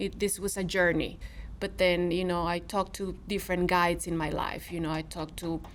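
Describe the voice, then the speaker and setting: A woman speaks with a Spanish accent at a fairly low pitch. She talks at a fairly quick pace with monotone, flat intonation. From Mexico, Monterrey. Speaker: professor. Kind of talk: interview. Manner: halting.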